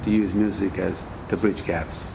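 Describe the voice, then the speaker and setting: A man from Pakistan answering interview questions earnestly, halting often with fillers and repeated words. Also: sits low, fairly even intonation, creaky, background noise. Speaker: guest musician.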